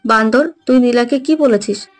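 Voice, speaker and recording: A bossy middle-aged mother in an audio drama, voiced by a woman, barking orders at her son. Her voice sits fairly high, with soft music underneath. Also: normal speed, lightly acted. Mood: scolding. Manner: scolding, commanding. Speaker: hero's mother.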